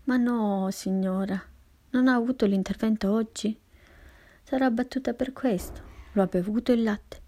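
A woman's voice: fairly high pitch, moderate pace, warm tone, lightly acted. A woman reading a story voices a hospital nurse who is soothing yet dismissive. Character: calm, brisk hospital nurse.

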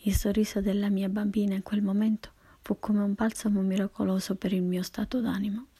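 A woman reading a personal memoir aloud in whispered narration, hushed and measured throughout. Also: medium pitch, little pitch movement, slightly rough, no room sound.

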